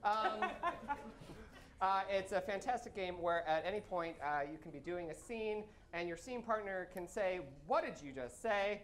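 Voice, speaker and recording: A man's voice: high voice, measured pace, fairly bright tone, slight background noise. A man hosting a live improv comedy show on a small theater stage, chatty and upbeat, with frequent filler words.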